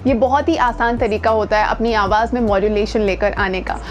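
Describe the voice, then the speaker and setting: A woman's voice: medium pitch, fairly quick, muffled recording, soft background music. An Indian woman giving an informal lesson as a voice coach, speaking conversationally and emphatically, with English words mixed in. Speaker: voice coach and video host. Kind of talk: informal instructional talk to camera. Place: outdoors near the speaker's home.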